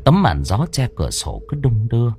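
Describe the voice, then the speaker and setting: Husky man narrating a ghost story. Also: mid-range voice, brisk, soft background music. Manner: dramatic, expressive storytelling.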